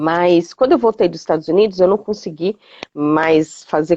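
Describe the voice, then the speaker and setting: A woman talks at a moderate pace with a dark, mellow tone. Her pitch varies in an ordinary way, and the sound is dry and close with no echo. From Brazil. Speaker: mind map instructor. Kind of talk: casual interview chat. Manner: hesitant, many fillers.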